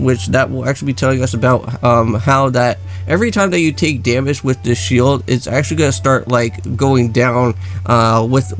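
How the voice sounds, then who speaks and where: A man hosting a gaming video, explaining things in a casual, rambling way and often repeating phrases. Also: medium pitch. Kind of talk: casual let's play commentary. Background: background music.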